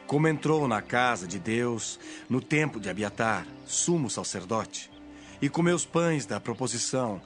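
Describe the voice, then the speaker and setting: Guy playing a solemn bible teacher, calm authority, declaiming, clear music underneath, really varied intonation. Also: medium pitch, unhurried, natural voice. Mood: firm, questioning. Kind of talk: dramatized audio Bible acting.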